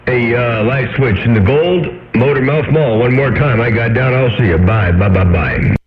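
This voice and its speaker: A man's voice: mid-range voice, moderate pace, crowd noise. A man chatting casually over CB radio, drawling in trucker-style lingo with handles and codes. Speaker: CB radio operator. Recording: echoey dull CB radio transmission.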